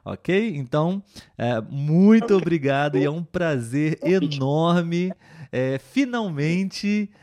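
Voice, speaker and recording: A Brazilian man with a slightly high-pitched voice hosts a live podcast for Portuguese learners. He speaks in a welcoming way, thinks aloud with "é" and "ah", and chats gently with a student guest. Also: animated, slow. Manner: warm, welcoming, many fillers like "é" and "ah". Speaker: podcast host and Portuguese teacher.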